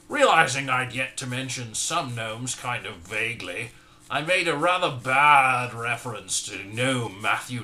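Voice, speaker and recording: Bright-voiced man reading comic verse. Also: mid-range voice. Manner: mock-dramatic, with sudden loud outbursts. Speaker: reader. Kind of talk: comic dramatic poem reading.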